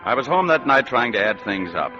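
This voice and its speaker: A man's voice: medium pitch, very animated, brisk, natural voice. Sex: man. Figure: an actor as a wisecracking hard-boiled private eye. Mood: sardonic. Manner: dry, sardonic wisecracks. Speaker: private detective and narrator. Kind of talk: 1940s radio acting. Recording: muffled old radio broadcast with music.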